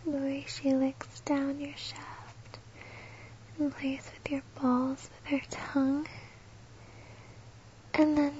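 A woman whispering slowly and intimately, close to the listener, in an erotic audio. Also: high-pitched, a little mellow, highs cut off. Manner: slow, breathy, close whisper.

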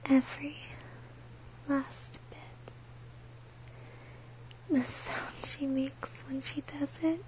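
Woman, intimate erotic whisper, slow and steady, high and level delivery. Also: highs cut off. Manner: slow, breathy, close whisper.

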